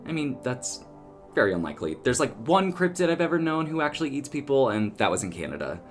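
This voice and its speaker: A man acting a protective young townsperson in an audio drama, casual and earnest, given to gentle scolding. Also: mid-range voice, sing-song, quick pace, soft background music, natural voice. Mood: earnest, reassuring. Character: protective, exasperated young male cryptid townsperson.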